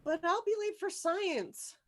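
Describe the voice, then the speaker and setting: A woman playing an awkward, anxious junior high girl in a script read, hesitant and pleading. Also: unhurried. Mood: nervous. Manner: hesitant, stammering, protesting. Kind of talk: table read of a film script.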